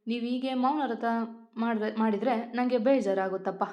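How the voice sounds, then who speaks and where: A woman voicing a gentle, caring young wife who speaks in a soft, coaxing and concerned way, in a storybook reading. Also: on the high side, moderate pace, lightly acted. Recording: dull lo-fi recording.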